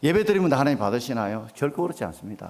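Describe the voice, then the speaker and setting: At a very fast pace, a man with a fairly high pitch makes very wide pitch swings. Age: 60s. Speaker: guest pastor. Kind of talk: sermon. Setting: church. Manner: hesitant fillers (ah, uh).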